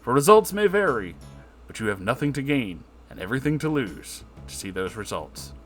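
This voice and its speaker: A man's voice: mid-range voice, very animated, normal speed, a bit bright, soft background music. A man narrating a comedic story as host, with an emphatic, dramatic storytelling delivery.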